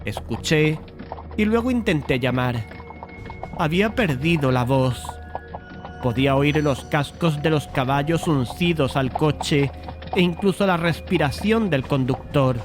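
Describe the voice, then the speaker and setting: A male actor voices a brooding painter recounting a macabre tale for a dramatized horror audiobook. His voice sits a little high for a man. He tells it in a measured, deliberate manner, with music clearly playing behind him. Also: close to an everyday voice. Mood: haunted, suspenseful.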